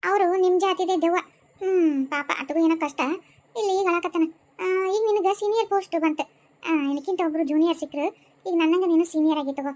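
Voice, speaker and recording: Touchy senior woman ghost, squeaky high voice, North Karnataka Kannada accent, acted by a woman. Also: a little fast, darkish tone. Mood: chatty. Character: bossy senior female ghost, proud and touchy. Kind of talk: cartoon voice acting.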